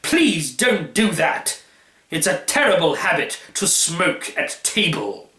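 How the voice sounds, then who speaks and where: A man's voice: on the high side, big pitch swings, slow pace, bright, forceful tone, voice pushed up, full character voice. A man reading a story aloud, voicing a pompous, fussy connoisseur who savors each phrase with smug deliberation. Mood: angry, clipped. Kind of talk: dramatized short-story reading. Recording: roomy, echoey, distant microphone.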